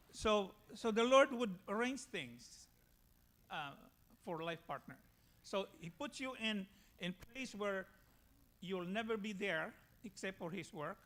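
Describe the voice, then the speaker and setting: A man from the Philippines with a Filipino accent, giving a personal church testimony in a halting way. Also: high voice, sharp tone.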